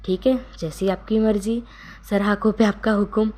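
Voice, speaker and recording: Woman doing a soft, doting young husband, mellow and gentle, barely acted. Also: mid-range voice, steady tone, normal speed, close to an everyday voice. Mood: tender. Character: loving, teasing young husband, soft and affectionate.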